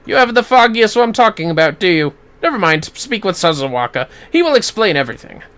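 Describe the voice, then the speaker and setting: A performer voicing composed, dismissive fantasy game townsfolk in a measured, formal and wry manner. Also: male voice, sits high, very animated, fairly bright tone, smooth, no echo. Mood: stern, concerned.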